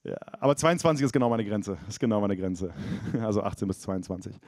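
A man's voice: on the low side, lively intonation, fast, darkish tone, slight background noise. A man in his thirties from East Frisia doing a self-mocking stand-up set on a comedy club stage, talking with the crowd. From East Frisia, Germany. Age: 30s.

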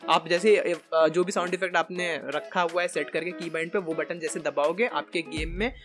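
Young man, high voice, chatty gaming tutorial style, music behind. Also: fairly even intonation, moderate pace, fairly bright tone. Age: 20s. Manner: informal, chatty, Hindi mixed with English tech words. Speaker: video tutorial presenter. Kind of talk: casual software tutorial for gamers. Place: indoor room at a gaming chair, voice over screen capture.

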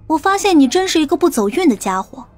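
A woman's voice: high-pitched, sing-song, fast talker, darkish tone, no echo, clean studio sound, faint music behind. A woman playing a tough, skeptical policewoman who questions and challenges in an audiobook drama. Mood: scornful. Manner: interrogating, challenging. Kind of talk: audiobook character dialogue.

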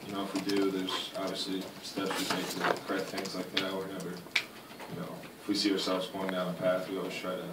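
A young man, a college basketball player, answering questions at a postgame press conference in a measured, matter-of-fact way. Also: deep voice, monotone. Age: young adult. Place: arena press room. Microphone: table mic, far camera. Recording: echoey room, distant mic, noise.

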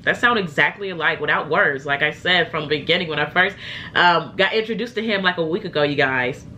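A woman's voice: sits low, fairly quick, bright, forceful tone, a little hiss or hum. Chatty young woman with a slight cold. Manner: chatty, addresses viewers as "you guys". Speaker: reaction video host. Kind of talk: casual reaction chat. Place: small room indoors. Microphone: webcam, headphones on.

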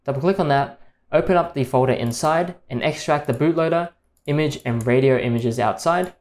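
A man's voice: a little high, fairly quick. Man narrating a step-by-step tech tutorial. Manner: steady step-by-step explaining. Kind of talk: screen-recorded tutorial voice-over.

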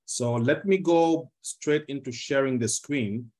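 A man from Zambia in his fifties, a law professor giving a formal, measured presentation on a video call, with frequent fillers. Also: medium pitch, darkish tone. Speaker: guest speaker, law professor. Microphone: computer mic on a video call.

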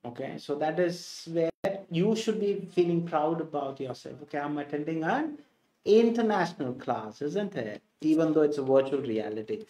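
A man's voice: a little high, normal speed, warm tone, roomy sound, low-quality recording. A man in his forties with a Kerala Indian English accent, teaching an English exam class live online in a chatty way, greeting students by name. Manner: chatty, repeats "okay" and "you know". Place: small indoor studio set.

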